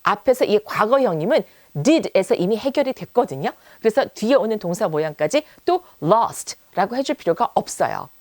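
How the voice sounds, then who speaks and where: A woman teaching an English lesson on video, drawing out her example sentences slowly and voicing them with admiration. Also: mid-range voice, big pitch swings, a little mellow, no room sound.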